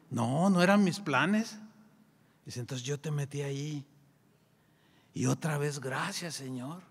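Animated Mexican pastor, high voice. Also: male voice, creaky. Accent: Mexican Spanish. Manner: animated storyteller, acts out dialogue. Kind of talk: sermon with storytelling. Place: church sanctuary. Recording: long church hall reverb.

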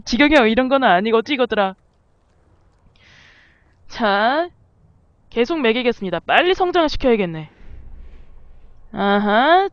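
A woman with a high voice casually comments on a video game while she plays, chatting to the animals on screen. It's a relaxed let's-play stream in a dry recording.

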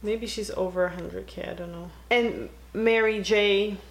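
A woman's voice: mid-range voice, fairly even intonation, unhurried, vocal fry. A young woman from the Netherlands chatting casually in a beauty vlog, full of likes and ums. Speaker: beauty vlogger. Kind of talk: casual tag video chat.

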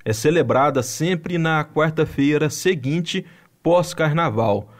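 A man with a Brazilian Portuguese accent reading a scripted news voice-over in an even, measured way. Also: fairly high pitch. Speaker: news narrator.

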